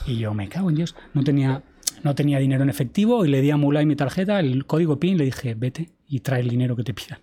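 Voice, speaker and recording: Man telling a story, mellow tone. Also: medium pitch, expressive, quick pace. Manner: vivid retelling, acts out quoted dialogue, swears casually. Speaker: podcast guest, traveler. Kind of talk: casual storytelling interview.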